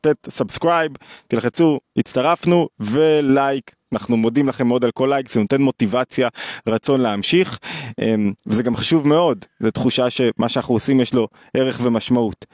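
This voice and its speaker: A man's voice: medium pitch, darkish tone, dry recording, studio quality. A middle-aged man delivering a daily video lecture on psychology, emphatic and repeating phrases for stress.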